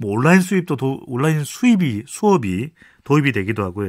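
A man's pitch rises and falls dramatically, with a quiet background behind him. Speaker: radio interviewer. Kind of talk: radio interview. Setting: studio. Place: studio. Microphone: studio mic.

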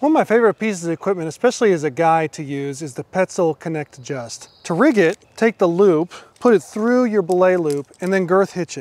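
This man talks at a fairly quick pace. The sound is dry, with no echo. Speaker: climbing gear instructor. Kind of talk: tutorial. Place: forest. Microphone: lapel.

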